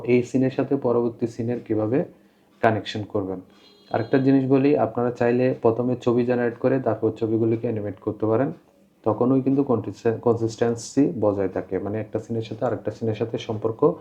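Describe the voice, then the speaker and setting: A man gives an informal screen tutorial in a medium-pitched voice. He explains each step plainly and often repeats himself, on a somewhat muffled, lo-fi recording. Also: mellow. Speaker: tutorial presenter. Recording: dull, lo-fi voice-over.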